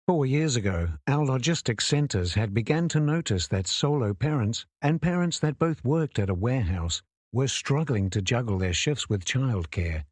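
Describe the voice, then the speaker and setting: A man's voice: mid-range voice, slightly rough, dry recording. A man delivers scripted voice-over narration for commercials and documentaries. His voice has some husk to it, and the recording is dry and close, without room sound. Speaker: voice-over artist.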